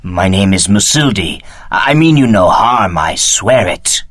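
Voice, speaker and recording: An actor playing an earnest, humble refugee villager in a fantasy video game, with formal, careful diction. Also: male voice, low-pitched, very animated, unhurried, a bit bright, dry recording, studio quality, full character voice. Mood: pleading, respectful.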